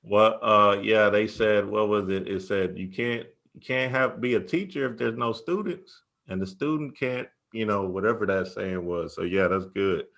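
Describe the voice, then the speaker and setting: A man's voice: fairly low pitch, normal speed, creaky, hardly any pauses, fairly bright tone. A man hosting a casual spiritual interview, speaking in an informal, slangy way. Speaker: interviewer and show host.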